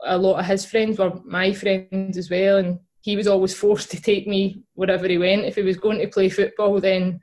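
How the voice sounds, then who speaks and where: Here a young footballer and podcast co-host from Glasgow, Scotland, is a guest in a casual interview, stumbling through fillers and restarts. Her medium-pitched, darkish voice is flat and moderately paced, with hardly any pauses.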